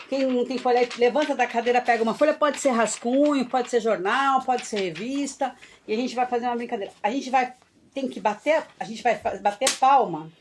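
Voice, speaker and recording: A woman from Brazil with a fairly high voice talks with her audience in a live online session about play in early childhood education. She speaks chattily, peppering her sentences with tag questions, and becomes animated whenever she leads a game. A faint hiss sits under her voice. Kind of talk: live online talk with hands-on activities.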